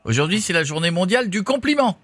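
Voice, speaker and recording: A man hosting live radio, teasing callers for compliments in playful, quick banter. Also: high voice, big pitch swings, fairly bright tone, no echo. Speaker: radio host making prank calls. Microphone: studio microphone.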